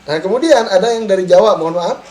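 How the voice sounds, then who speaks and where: A man's voice: high-pitched, quick pace, a little mellow. A man teaching a tajwid lesson, modelling letter sounds and tagging his points with a checking "ya". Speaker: Quran recitation teacher.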